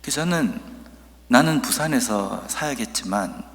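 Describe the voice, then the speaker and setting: A man from Busan, South Korea, with a Busan accent, preaching a sermon as a pastor, telling stories earnestly and reading scripture slowly and emphatically. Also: medium pitch, lively intonation, fairly bright tone, long reverb tail. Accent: Busan dialect.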